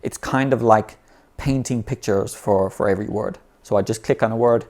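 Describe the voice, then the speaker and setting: His voice sits fairly low and is slightly mellow, moving at a normal speed. In an unscripted, easygoing talk, this native English-speaking man teaches vocabulary learning, frequently saying "you know" and starting phrases over.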